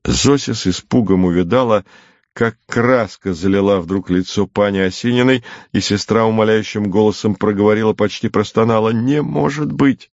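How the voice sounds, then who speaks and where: A man narrating an audiobook in a calm, measured storytelling manner. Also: fairly low pitch, dry recording, lo-fi sound. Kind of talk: scripted narration.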